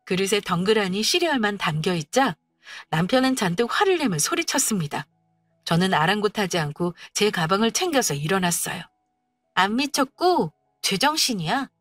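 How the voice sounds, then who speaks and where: Brief: woman storyteller, first-person narration, composed and biting, lively pitch, dry mic. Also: fairly quick, dry recording, far from the mic, faint music behind. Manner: cool, cutting and composed.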